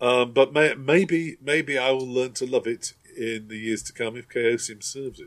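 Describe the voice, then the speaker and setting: A man with a plain, everyday voice speaks at a moderate pace in a medium pitch. His intonation is fairly even, his loudness swings widely, and he hardly pauses. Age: 60s. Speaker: podcast host. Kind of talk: casual chat.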